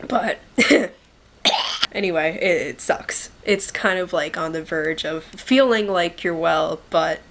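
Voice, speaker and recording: A woman's voice: fairly low pitch, slow, creaky. Young woman with a stuffy head cold. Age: young adult. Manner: chatty and rambling, with frequent likes and ums; shy and quiet by nature. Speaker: beauty vlogger. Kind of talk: casual chat to camera.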